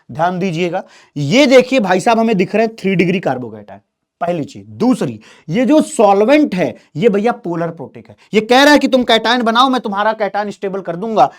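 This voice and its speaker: High-voiced, animated male chemistry teacher. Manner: animated, keeps prompting students with questions; acts out molecules in quoted first-person voices. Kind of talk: exam-prep lecture.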